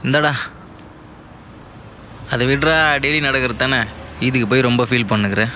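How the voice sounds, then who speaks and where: A man's voice: medium pitch, moderate pace, pushed and bright, a little hiss or hum, natural voice. An actor playing a carefree young male friend who offhandedly teases the husband. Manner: teasing, offhand. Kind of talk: comedy web series acting. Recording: music bed under dialogue.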